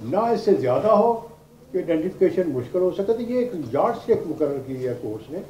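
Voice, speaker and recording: A man's voice: high-pitched, sing-song, a little fast, dark tone. An older man with a Pakistani accent giving a classroom law lecture, explaining step by step with repetition and English legal terms. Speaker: law lecturer, retired judge. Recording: roomy, dull classroom recording with background noise.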